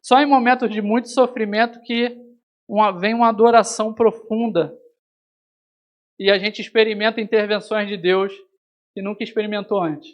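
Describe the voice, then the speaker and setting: A man's voice: high voice, steady tone, moderate pace, muffled recording. A man from Brazil preaching a sermon, telling a personal story and calling his listeners brother. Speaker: pastor. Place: church hall.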